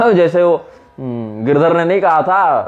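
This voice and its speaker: Higher-voiced man chanting scripture discourse. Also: faint music behind. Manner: chants verses slowly, then explains them in lively speech. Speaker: religious discourse speaker. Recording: dull lo-fi recording.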